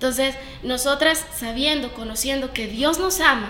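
A woman with a Salvadoran accent speaks in a raised, projected, high voice at a fairly slow pace with ordinary pitch variation, amid audible room echo and noticeable background noise. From western El Salvador (Ahuachapán). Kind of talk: casual faith-based chat.

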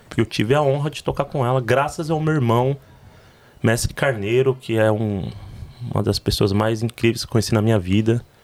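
A São Paulo accent comes through with ordinary pitch variation. Long pauses break up the speech often. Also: man. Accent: Brazilian Portuguese, São Paulo (paulistano). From Brazil, São Paulo. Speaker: musician. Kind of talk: casual interview chat.

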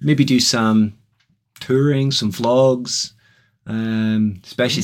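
With a Scottish accent, a man talks at a fairly slow pace with ordinary pitch variation on a very clean recording with a silent background. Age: 30s. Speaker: podcast host and construction designer. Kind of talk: casual chat. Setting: shared single mic in home studio.

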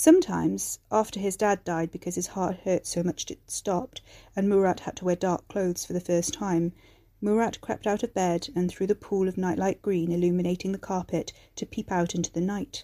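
In a dry, close sound with no echo, a woman speaks at a moderate pace with a dark, mellow tone, medium pitch, and fairly even intonation. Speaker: podcast host and author reading own story. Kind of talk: horror story audiobook reading of own short story, narrated aloud.

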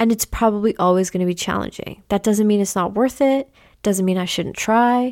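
With an ordinary speaking voice, a woman talks at medium pitch with ordinary pitch variation in a very clean recording with a silent background. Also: fairly quick pace. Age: 30s. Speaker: podcast host. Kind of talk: casual monologue. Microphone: new equipment for popping p's.

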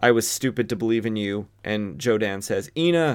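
This is a very clean recording with a silent background. A man with an unremarkable speaking voice talks at a moderate pace and a medium pitch. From western US. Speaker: comics podcast host. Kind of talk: solo podcast recap of comic issues. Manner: casual, with frequent fillers.

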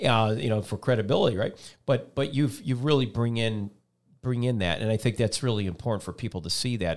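Very fast speech from a man at medium pitch, with an American accent and ordinary pitch variation, on a very clean recording with a silent background. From Buffalo, New York. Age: 50s. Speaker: podcast host. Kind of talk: interview. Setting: studio.

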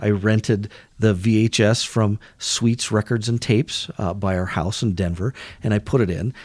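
A plain, everyday voice talks at a moderate pace with ordinary pitch variation. The sound is dry and close with no echo, and the recording is very clean with a silent background. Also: man, fairly low pitch for a man. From Montana, Great Falls. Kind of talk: casual chat.

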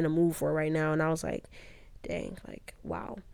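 This woman talks at a very fast pace in an animated tone, her pitch fairly low, on a very clean recording with a silent background. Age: 20s. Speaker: podcast host. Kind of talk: casual solo monologue.

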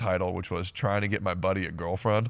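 In a very clean recording with a silent background, a man with a fairly low pitch talks at a very fast pace. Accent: American. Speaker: podcast co-host. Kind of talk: casual chat. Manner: loud.

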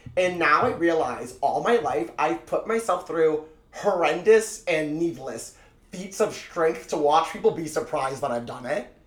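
With noticeable background noise behind him, a man speaks fairly slowly in a fairly high pitch and with lively intonation. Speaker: standup comedian. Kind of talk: casual comedic chat. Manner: animated, jokey.

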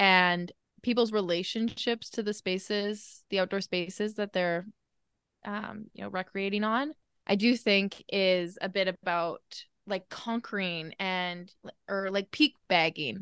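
In a normal speaking voice, a woman with a Canadian accent speaks at a fairly slow pace and medium pitch, the sound dry and close with no echo against a quiet background. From Calgary, Canada. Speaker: podcast co-host. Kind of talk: casual conversational podcast chat.

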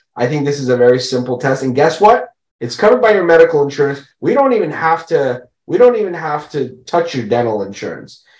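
A man speaks at a very fast pace. His fairly high pitch swings very widely. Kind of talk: casual interview chat.

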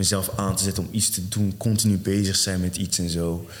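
Audible room echo carries a man's very deep, low voice. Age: 20s. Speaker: student and reading promoter. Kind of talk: casual interview.

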